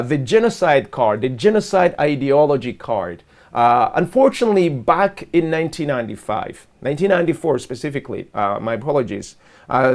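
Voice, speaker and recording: A man's voice: mid-range voice, a little mellow. A man from Rwanda hosting a political commentary show, explaining earnestly over a live video call and often restarting his phrases. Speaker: host.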